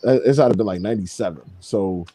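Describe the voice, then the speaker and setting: A man's voice: fairly low pitch, fast talker, dry recording. A man hosting a podcast, telling a story in casual, profane chat with frequent laughs over a video call stream. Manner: profane, animated, laughs often. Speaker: podcast host.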